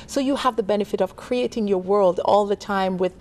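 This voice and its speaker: A woman from Jamaica, a guest pastor, tells stories in a relaxed, storytelling way and laughs easily. Her pitch sits in a middle range. A faint hiss of noise sits behind her voice. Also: fairly quick. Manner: warm storytelling, laughs often. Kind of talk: casual interview chat.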